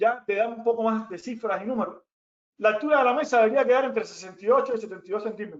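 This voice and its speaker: In a Cuban accent, a man talks with a high pitch. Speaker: ergonomics specialist. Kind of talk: educational webinar.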